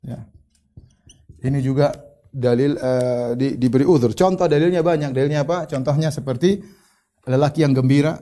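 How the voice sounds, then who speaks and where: A man's voice: mid-range voice, normal speed, pauses often, mellow. A male Indonesian preacher giving a religious lecture, explaining terms and retelling stories with quoted dialogue. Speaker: Islamic preacher.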